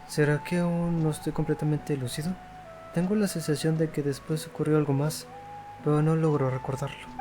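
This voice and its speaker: A native Spanish-speaking man hosting a gaming video, reading game dialogue aloud. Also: fairly high pitch.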